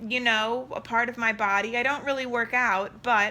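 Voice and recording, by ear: A woman with a Southern California accent uses a raised, projected voice and a bright, sharp tone at a moderate pace. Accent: valley girl inflections.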